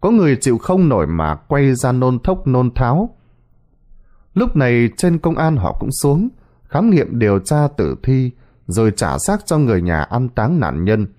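A man's voice: mid-range voice, sing-song, unhurried, mellow. A man narrating a scripted horror story with a dramatic delivery.

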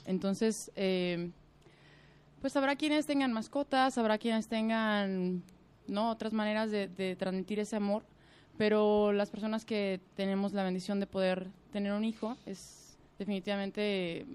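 A woman in her thirties with a Mexican Spanish accent, a guest on a radio talk show, lively and enthusiastic. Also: mid-range voice, a little slow, clean tone. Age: 30s.

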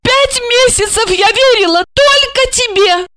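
A woman's voice: a little slow, pushed and bright, heavily acted. A woman narrator voices a drunk, hysterical woman who shrieks and wails theatrically. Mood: shrill. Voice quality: shrill, drunken wailing.

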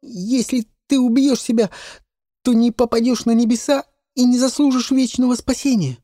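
A man voicing a young boy painter who pleads high and strained, tearful and stubborn. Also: fairly even intonation, moderate pace, warm tone, no echo, studio quality.

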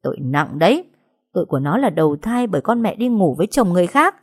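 A woman's voice: lowish voice, big pitch swings, fast, a little mellow, no echo, studio quality. A woman voicing a cruel, scheming female villain who sneers and hisses threats. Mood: raging.

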